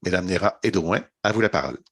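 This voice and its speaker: Low-voiced man introducing speakers. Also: lively intonation, fast talker, a bit bright, slightly rough, no echo, studio quality. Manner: reads bios with hesitations. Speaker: moderator. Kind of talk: formal introduction.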